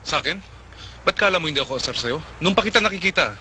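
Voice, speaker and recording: Pushy Filipino man, very rapid, animated pitch, old action film, music behind. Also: slight background noise. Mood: confrontational. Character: pushy, nervy stranger, an adult man looking for someone.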